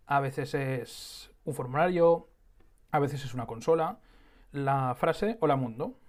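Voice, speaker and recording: A man's voice: mid-range voice, darkish tone. Chatty man rambling through a solo podcast. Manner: rambling, chatty, with frequent self-corrections. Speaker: podcast host.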